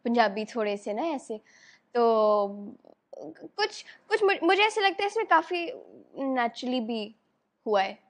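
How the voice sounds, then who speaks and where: High-voiced chatty young Pakistani woman. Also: very animated, measured pace. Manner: chatty, laughs often, mixes English into her speech. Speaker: actress, interview guest. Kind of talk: casual interview chat.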